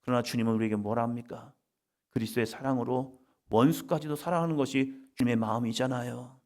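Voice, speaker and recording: A middle-aged man preaching a sermon at a church worship service, alternating loud emphatic declarations with hushed whispers and acting out quoted prayers. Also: mid-range voice, fairly even intonation, fast talker. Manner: acts out quoted prayers and voices of others. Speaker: pastor.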